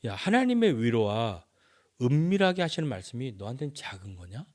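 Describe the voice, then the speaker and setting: A man's voice: mid-range voice, sing-song, brisk, a little mellow, close to an everyday voice. A man playing a boastful, scornful man taunting a suffering friend with rhetorical challenges. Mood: indignant.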